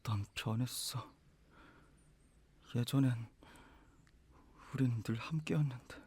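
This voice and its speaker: A man's voice: medium pitch, slow, mellow, husky, heavily acted. An actor playing an earnest, lovestruck young man in an audio drama, with an emotional, imploring delivery. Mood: dejected.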